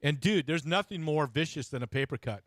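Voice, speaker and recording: A man hosting a casual interview, informal and bantering, with halting phrasing. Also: fairly high pitch, lively intonation, fairly bright tone, no echo, studio quality. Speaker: interview host. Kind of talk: casual, jokey chat.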